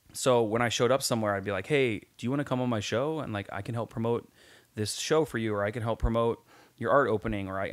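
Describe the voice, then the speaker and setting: This man speaks very fast at a medium pitch with fairly even intonation. The recording is very clean, with a silent background. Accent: American. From Kansas / US Midwest (Kansas City area, Olathe). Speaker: podcast host and DJ. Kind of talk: casual chat. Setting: living room.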